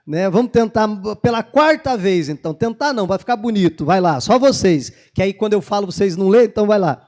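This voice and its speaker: A man's voice: sits high, fairly quick. A man preaching a sermon as pastor, joking with the congregation and acting out Bible dialogue. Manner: lively, jokes with the congregation, acts out Bible dialogue.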